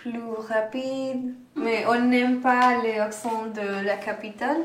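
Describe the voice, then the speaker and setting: A woman from Colombia with Spanish as her native language chats slowly in a fairly high voice. She is in an echoey room. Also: level tone, slight background noise. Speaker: language student. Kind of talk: casual conversation. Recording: echoey room, clinking dishes.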